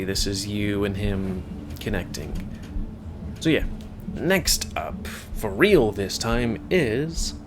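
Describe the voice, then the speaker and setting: Lively, chatty man talking over gameplay. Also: lowish voice. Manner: rambling, chatty, self-interrupting asides. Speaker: video game commentator. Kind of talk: casual gameplay commentary.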